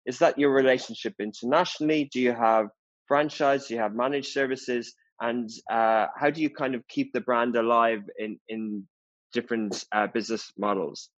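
A man's voice: mid-range voice, steady tone, moderate pace, no echo, lo-fi sound. A man interviewing a business executive, asking long, multi-part questions.

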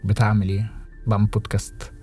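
A young Egyptian man co-hosting a podcast, talking reflectively with halting restarts and English phrases mixed in. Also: lowish voice, monotone, warm tone, breathy edge, soft background music. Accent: Egyptian Arabic. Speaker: podcast co-host. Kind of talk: casual podcast conversation.

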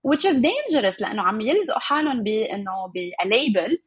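A woman's voice: on the high side, very animated, a little fast. A woman with a Levantine Arabic accent explaining things conversationally as an expert guest, mixing English words into her Arabic. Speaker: guest nutritionist specializing in eating disorders.

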